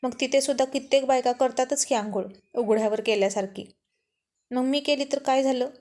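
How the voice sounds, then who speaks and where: A defiant, headstrong young woman argues her case with teasing stubbornness, as a woman storyteller reads her part. Her voice sits a little high. It is an audio love story told in one reader's voice. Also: a little fast, darkish tone, close to an everyday voice.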